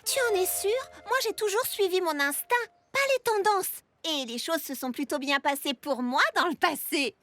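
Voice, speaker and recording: A woman voicing a kind, sincere young girl baker in a children's cartoon, with an earnest, friendly, gentle way of talking. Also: very high voice, normal speed, a little hiss or hum. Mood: earnest, doubtful. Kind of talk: animated cartoon dubbing. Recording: loud music under the voice.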